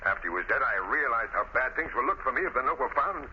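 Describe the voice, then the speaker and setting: A man's voice: mid-range voice, expressive, quick pace, close to an everyday voice. An actor in a 1930s radio drama playing an anxious police employee accused of murder, stammering and pleading his innocence. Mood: desperate pleading. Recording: muffled, noisy 1930s radio recording.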